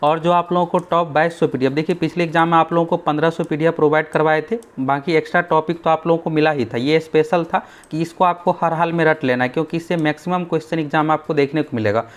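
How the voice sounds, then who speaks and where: A man's voice: a little high, fairly even intonation, quick pace, hardly any pauses. A young man teaching exam aspirants in a casual explainer, speaking straight to students and repeatedly telling them to look at each point. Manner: talks straight to students, keeps repeating "dekhiyega"; pushes his course and app. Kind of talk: explainer video on exam updates.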